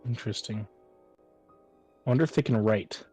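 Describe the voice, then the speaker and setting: A man's voice: on the low side, normal speed, warm tone, slightly rough. A man playing a tabletop game, chatting casually and thinking aloud about his moves. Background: background music.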